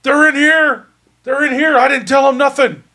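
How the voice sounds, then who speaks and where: A man yelling as a panicked, frantic prisoner. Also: very high-pitched, fairly even intonation, normal speed, voice pushed up. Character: panicked male prisoner crying for help.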